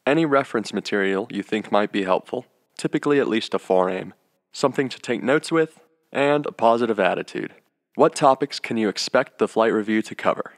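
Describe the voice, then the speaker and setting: A man's voice: mid-range voice, no room sound, clean studio sound. A man who works as a flight instructor, narrating a slide lesson in a matter-of-fact way with offhand jokes. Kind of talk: scripted narration over slides.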